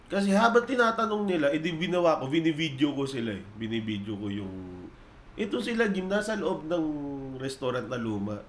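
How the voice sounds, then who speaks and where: A man's voice: on the high side, fairly quick. A young adult man hosting a podcast, telling a story in a casual way and acting out the voices he quotes. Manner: animated, acts out quoted voices. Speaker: podcast host.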